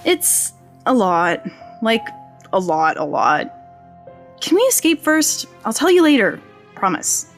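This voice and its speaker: An actress playing a wry, brash young would-be journalist in an audio drama, glib and sarcastic, tending to ramble. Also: female voice, on the high side, big pitch swings, takes it slowly, pauses often, soft background music, heavily acted. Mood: evasive, wry. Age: young adult. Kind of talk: naturalistic audio drama acting.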